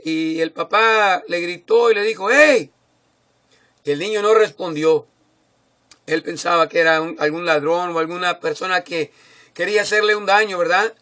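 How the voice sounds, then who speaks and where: A man's voice: high-pitched, a bit bright. A man preaching a sermon, speaking with many fillers and tag questions and rising in volume for emphasis. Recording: phone recording.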